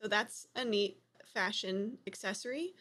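A woman's voice: mid-range voice, a little slow, pushed and bright. A woman playing a tabletop role-playing game, describing a monster with wry, hesitant humor. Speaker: player. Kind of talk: casual tabletop play.

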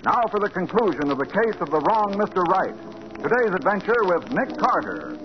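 Man, radio drama announcer, dramatic delivery, dull old recording, clear hiss. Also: sits high, big pitch swings, normal speed.

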